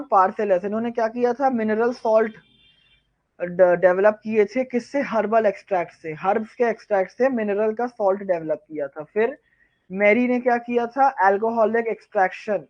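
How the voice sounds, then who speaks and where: A male tutor giving a live online revision lecture, firing off quiz questions and answering them himself, slowing down to dictate key terms. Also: sits high, lo-fi sound. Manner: quizzes viewers, then answers his own questions. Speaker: pharmacognosy tutor.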